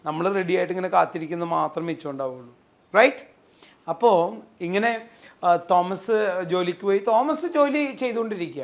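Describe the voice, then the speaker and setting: A man's voice: sits high, gravelly. A man teaching a spoken English class, acting out little everyday scenes and often quizzing the students. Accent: Malayali English. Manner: animated, quizzes students with repeated "yes or no?". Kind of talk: classroom lesson with acted examples.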